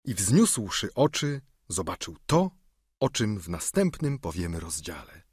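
Husky male audiobook narrator. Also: low voice, big pitch swings, a little mellow, no echo, studio quality. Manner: measured, storytelling. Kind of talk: scripted narration.

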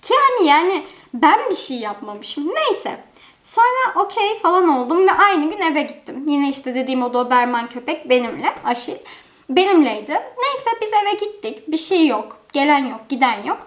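A young storytime vlogger tells a personal story casually, chatty and expressive, and packed with fillers. Her high voice swings widely in pitch at a normal speed. A roomy indoor echo surrounds her.

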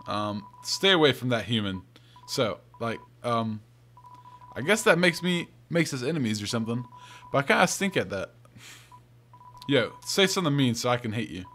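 A man voicing a clumsy, excitable young monster in a video game, hesitant and slangy, stammering as he goes. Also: mid-range voice, normal speed, pauses often, a little hiss or hum, lightly acted. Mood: nervous, awkward. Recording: game music behind the voice.

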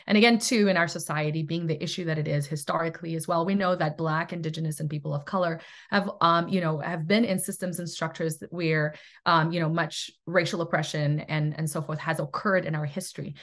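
A woman's voice: low-pitched, steady tone, fairly quick, fairly bright tone. A middle-aged woman from South Africa giving a recorded lecture from home over webcam, earnest and thoughtful, with many fillers and restarts. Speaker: presenter in a university research toolkit.

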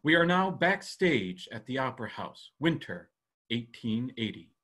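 A man reading stage directions as scripted, measured dramatic narration for a staged reading. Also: mid-range voice, big pitch swings, a bit bright.

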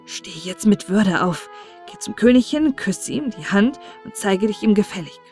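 A woman's voice: medium pitch, expressive, normal speed, darkish tone, soft background music, close to an everyday voice. A woman voicing a young prince who poses as a wise, solemn astrologer, in formal, declaiming storybook speech. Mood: commanding.

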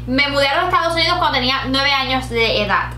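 A woman's voice: high voice, lively intonation, quick pace, sharp tone, echoey room, a little hiss or hum. A woman in her late twenties with a Puerto Rican Spanish accent, chatting giggly to camera as a beauty vlogger, dropping in English words. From Puerto Rico. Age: late 20s. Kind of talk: casual chat to camera. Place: bright home room with shelves. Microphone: camera at desk distance.

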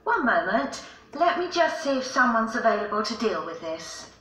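A woman's voice: a little high, big pitch swings, normal speed, bright, forceful tone. A woman acting a polite, helpful office receptionist in a scripted language-course phone dialogue. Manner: polite, businesslike. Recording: roomy, distant course audio playback.

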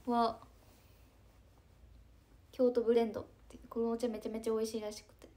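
A young woman, chatting casually on a live stream, breezy and talkative with soft asides. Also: a little high, little pitch movement, fairly quick. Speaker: idol livestreamer reading chat comments.

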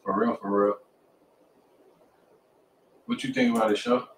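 A man's voice: mid-range voice, big pitch swings, a little slow, vocal fry. An American man giving blunt, slangy, casual commentary as co-host of a livestreamed music review. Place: indoor home studio. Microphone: distant from the speaker. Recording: echoey, distant, noisy studio room.

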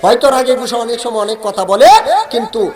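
A man's voice: very high-pitched, steady tone, rapid-fire. A man with a Bangladeshi Bengali accent preaching a sung waz sermon, chanting and calling on the crowd to answer. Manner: chanting, calls the crowd to respond.

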